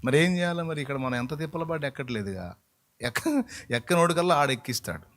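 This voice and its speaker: A man's voice: on the high side, animated, fast talker, fairly bright tone. A male pastor, preaching a sermon in a colloquial, emphatic way and acting out bits of dialogue.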